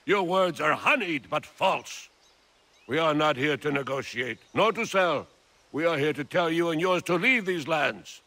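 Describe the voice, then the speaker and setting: An actor playing a proud, defiant Native American tribal elder who speaks formally, in a video game drama. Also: male voice, on the high side, animated, a little slow, pushed and bright, full character voice. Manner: formal, declamatory.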